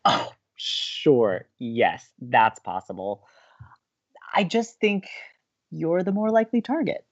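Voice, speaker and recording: A young campus radio host in an audio drama, gleeful and romantic. His pitch swoops about as he teases and stresses words dramatically. The sound is slightly dull. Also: slow, full character voice. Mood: playful, teasing. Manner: excitable, teasing, dramatic emphasis. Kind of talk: bantering audio drama dialogue.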